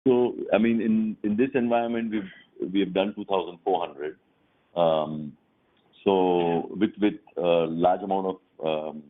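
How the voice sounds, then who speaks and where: A man answering as a company executive on an earnings call, in halting phrases. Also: low voice. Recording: narrow tinny phone line.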